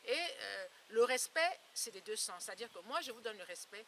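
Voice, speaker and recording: Bright-voiced woman in her fifties, distant mic. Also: on the high side, expressive, moderate pace. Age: 50s. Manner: earnest, emphatic, repeats phrases for emphasis. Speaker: beauty blogger and campaigner against skin lightening. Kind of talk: informal talk to followers. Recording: distant mic, clear background noise.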